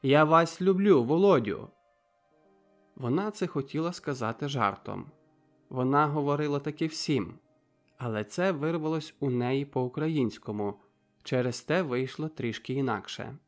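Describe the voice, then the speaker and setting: A male narrator reads a novel aloud in a steady, measured voice of middling pitch. Soft music runs faintly beneath the reading. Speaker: audiobook narrator. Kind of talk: audiobook reading.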